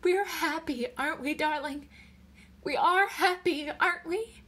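A woman voicing an anxious, distraught wife in a story, shrill and wailing as she pleads. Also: very animated, fairly quick, vocal fry, a bit bright, breathy edge, heavily acted. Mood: pleading.

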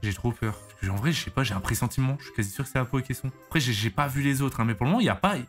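A young man streaming a social deduction game, talking excitedly and swearing, with loud outbursts. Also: mid-range voice, very fast, soft background music. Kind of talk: casual gaming chat.

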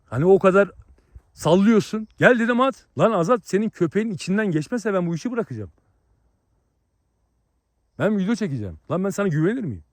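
A man scolds and boasts in a heated rant to his viewers. His voice sits high for a man. It is recorded close and dry, with no room sound. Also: big pitch swings, brisk, long pauses, no room sound. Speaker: vlogger.

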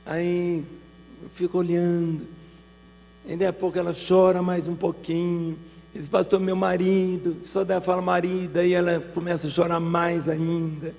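A man's voice: high-pitched, flat delivery, moderate pace, gravelly, a little mellow, in a large hall. A Brazilian man preaching a sermon as pastor, telling vivid pastoral anecdotes. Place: large church hall.

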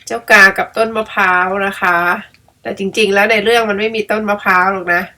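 Bright chatty middle-aged woman. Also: medium pitch, fairly even intonation, fairly quick. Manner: chatty, self-mocking, laughs often. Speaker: storyteller and vlogger. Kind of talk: casual storytelling while editing pictures.

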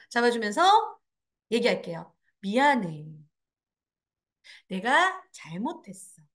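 Lively high-voiced woman lecturer. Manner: animated, acts out dialogue in exaggerated voices; asks the audience questions and answers them. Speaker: parenting education lecturer. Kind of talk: lecture to parents and children.

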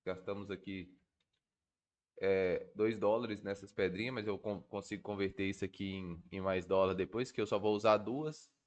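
A man's voice: low voice, fairly even intonation, normal speed. A Brazilian man with a stuffy, congested nose from a cold, thinking aloud in casual, slangy gameplay commentary. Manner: informal, slangy, swearing. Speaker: gaming video creator.

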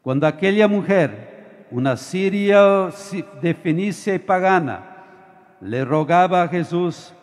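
Slow, measured older male bishop. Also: high-pitched, animated. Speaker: bishop presiding at Mass. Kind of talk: liturgical Gospel reading. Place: outdoor tented altar. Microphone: stand microphone. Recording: reverberant public address sound.

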